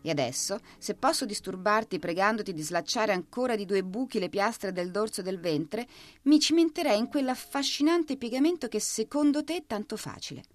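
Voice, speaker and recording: A woman voicing a slow, stubborn female turtle who speaks in a firm, measured way in a storybook reading. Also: medium pitch, animated, dry recording, pitched above the performer's own voice, lightly acted. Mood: sly, encouraging.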